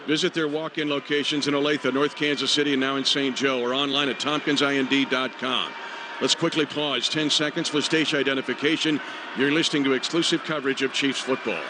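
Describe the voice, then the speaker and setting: A man's voice: medium pitch, steady tone, a little fast. A man doing live football play-by-play on the radio, speaking in clipped fragments of downs, distances and scores. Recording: radio broadcast over stadium noise. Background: loud stadium ambience.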